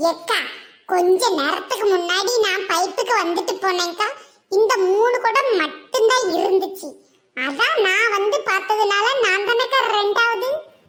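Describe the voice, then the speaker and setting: A woman's cartoonish character voice, extremely high-pitched, at a very slow pace. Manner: sassy, argumentative.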